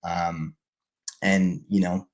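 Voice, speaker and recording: Deep-voiced and very slow with a level tone, the man is a kids' fitness founder from Canada appearing as a guest on a livestream. The interview is casual and conducted by video call, and his manner is warm and easygoing, with a few restarts.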